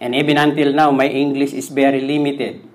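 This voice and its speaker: A Filipino man, a Tagalog speaker, preaching a sermon as pastor in simple, halting English with many repeated phrases. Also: mid-range voice, level tone.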